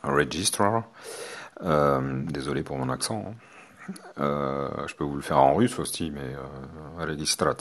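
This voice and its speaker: A man's voice: a bass voice, measured pace. A man from France, a hypnotherapist teaching a course, talking hesitantly with many fillers and restarts. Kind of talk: spoken lesson to students.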